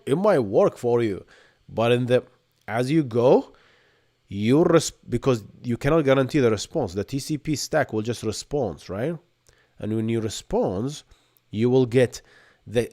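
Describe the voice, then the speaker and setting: A man in his thirties speaks with an Arabic accent, his voice sitting a little low as he talks into a desk mic at home. He explains technical ideas in quick energetic bursts and keeps checking in with "right?" like a chatty live-stream host. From Bahrain. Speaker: podcast host. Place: home room with bookshelves. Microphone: desk microphone in front.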